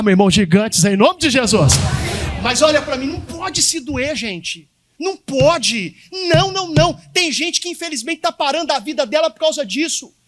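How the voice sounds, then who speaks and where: A man's voice: sits high, a bit bright. A male pastor with a Minas Gerais accent preaching a sermon, emphatic and repetitive, speaking straight to the congregation. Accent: Minas Gerais Brazilian Portuguese. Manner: emphatic, addresses congregation directly, repeats himself.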